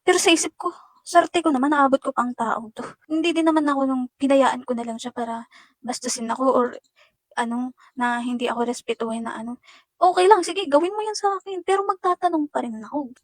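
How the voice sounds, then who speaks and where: This woman's voice is a little high and a little fast as she emotionally describes an ordeal to her audience, repeatedly calling them guys. Her speech comes in uneven bursts, captured close and dry without any room around it.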